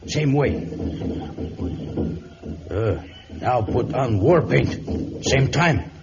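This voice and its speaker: Stern tribal chief, slow and halting. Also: male voice, medium pitch, lively intonation. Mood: solemn. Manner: halting, clipped broken English. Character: stern superstitious male chief of a jungle tribe. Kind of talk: old radio serial acting. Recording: muffled, noisy vintage radio recording.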